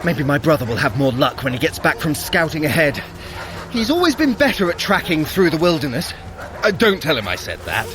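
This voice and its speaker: An actor playing a sly, sardonic trickster god in an audio drama, with a wry, articulate, theatrical delivery. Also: male voice, on the high side, sing-song, fairly quick, background noise. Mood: exasperated. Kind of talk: scripted audio drama acting.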